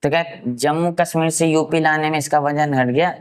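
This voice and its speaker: A man from Uttar Pradesh giving a science lesson, asking rhetorical questions and answering them himself, and slowly repeating key terms for note-taking. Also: fairly high pitch, steady tone, clean tone. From Uttar Pradesh, India. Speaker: science teacher. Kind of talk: classroom science lecture.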